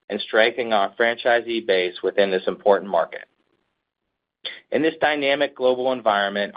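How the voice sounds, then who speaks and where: A man, a company executive, reading prepared business remarks in a measured, formal way. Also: on the low side. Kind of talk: scripted earnings call remarks. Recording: muffled conference call audio.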